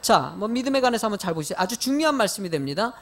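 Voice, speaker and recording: A man's voice: sits high, very animated, very fast, a bit bright. A middle-aged male pastor preaching a sermon, questioning the congregation directly and telling folksy, lightly humorous stories.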